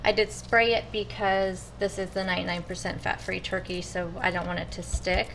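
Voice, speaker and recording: A woman's voice: fairly low pitch, flat delivery, moderate pace, gravelly, a bit bright, a little hiss or hum. Chatty woman cooking in a home kitchen. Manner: chatty, addresses viewers as you guys. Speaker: cooking vlogger. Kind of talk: casual step-by-step cooking talk.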